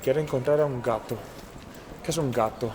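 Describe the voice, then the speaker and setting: A man's voice: mid-range voice, fairly quick. A man from Brazil with a Brazilian accent, a native Portuguese speaker, chatting casually as he hosts a street travel vlog. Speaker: travel vlogger, host. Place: city streets, outdoors. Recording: busy street crowd noise.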